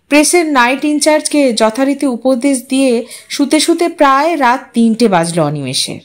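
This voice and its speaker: A woman with a fairly high-pitched voice narrates an audio story. She reads scripted literary prose as a storyteller.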